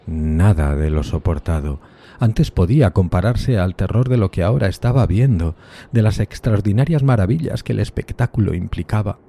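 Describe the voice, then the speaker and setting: A man's voice: on the low side, animated, normal speed, creaky, dark tone. A man playing a solitary, tormented outcast, narrating a gothic horror audio drama in a solemn, theatrical, literary manner. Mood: awed, horrified.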